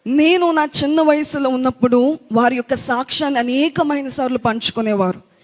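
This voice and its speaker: A woman's voice: high-pitched, brisk. A woman earnestly telling her testimony at a church youth event. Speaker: speaker giving testimony. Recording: long hall reverb.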